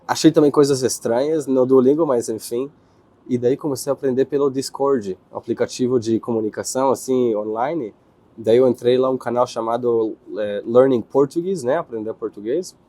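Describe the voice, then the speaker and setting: A young man from Israel with an Israeli accent, answering interview questions in his second language, pausing and searching for words. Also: mid-range voice, dark tone. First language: Hebrew. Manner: hesitant, searching for words, with restarts.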